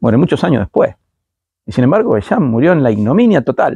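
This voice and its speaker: A man's medium-pitched voice with very wide pitch swings at a fairly quick pace, dry and close with no echo. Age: 60s. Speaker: emergency physician. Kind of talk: interview.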